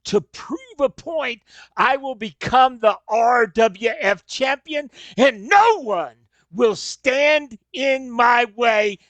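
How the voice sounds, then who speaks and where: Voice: mid-range voice, lively intonation, takes it slowly, a bit bright, no room sound. A performer playing a vengeful, frustrated wrestler prince in a staged reading, declaring boasts and threats. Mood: angry.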